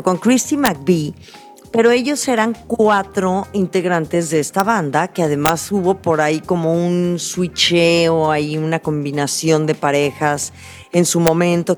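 A Mexican woman hosting a radio show, talking in a chatty, rambling way, correcting herself as she goes and stressing her points with feeling. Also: lowish voice. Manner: emphatic, heartfelt. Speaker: radio host. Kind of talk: casual radio monologue.

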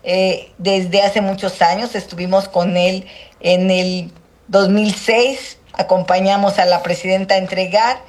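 Female politician from Guerrero, mid-pitched, measured and halting. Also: steady tone, a little mellow, a little hiss or hum. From Guerrero, Mexico. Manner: measured, halting, with many fillers. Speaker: politician, senator.

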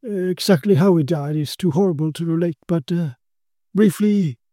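A man voicing a commanding, grave male occult detective who explains dark matters with authority. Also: a little high, normal speed, no room sound, clean studio sound, pitched above the performer's own voice, lightly acted.

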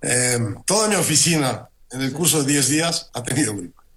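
A Mexican man with the flu giving measured, wry commentary as a regular guest, with many hesitant pauses. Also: mid-range voice, lively intonation, a bit bright, a little hiss or hum. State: has the flu. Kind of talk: opinion commentary on air.

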